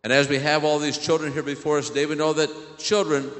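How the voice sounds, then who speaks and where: A man's voice: on the high side, flat delivery, fairly quick, fairly bright tone. A man with an American accent, a priest giving a simple homily addressed to children in church. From southern Illinois, United States. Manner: simple questions to children, repeats their answers. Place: large indoor church. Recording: echoey church hall, long reverb.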